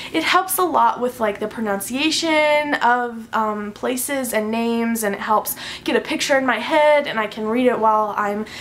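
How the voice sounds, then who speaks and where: A woman speaks at a moderate pace with hardly any pauses and ordinary pitch variation, over light background noise. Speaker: book reviewer. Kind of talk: casual vlog chat. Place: home room.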